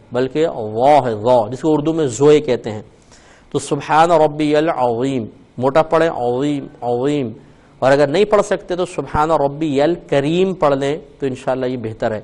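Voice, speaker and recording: A man serves as the mufti on a religious call-in program, his voice sitting a little high for a man. He explains step by step in a patient teaching manner. He often slows down to repeat a phrase so listeners can copy how it is said. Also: darkish tone. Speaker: mufti answering callers.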